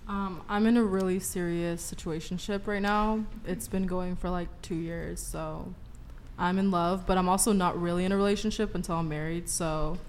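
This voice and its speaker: A woman's voice: on the low side, fairly even intonation, normal speed, a little hiss or hum. A woman from Russia, a guest on a dating podcast, chatting casually and saying "like" a lot. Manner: chatty, lots of "like". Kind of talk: casual panel chat.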